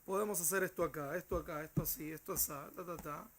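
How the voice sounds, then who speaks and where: A man's voice: a little high, fairly even intonation, fast talker, a bit bright, slight background noise. A man acting out an earnest rabbi urging and explaining. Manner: persuasive, explaining. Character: earnest rabbi pleading with a leader.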